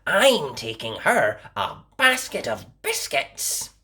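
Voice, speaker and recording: A woman voicing a sweet little girl in a red hood, speaking high and earnest. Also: wildly swooping pitch, takes it slowly, pushed and bright, full character voice. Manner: high, wide-eyed, earnest.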